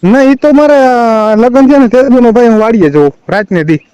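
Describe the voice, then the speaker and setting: A man's voice: very high voice, normal speed, warm tone, clear, resonant tone, no echo. A middle-aged man with a rural Saurashtra Gujarati accent on a recorded phone call, arguing defensively and insistently and repeating himself. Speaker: phone caller. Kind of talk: heated personal phone conversation.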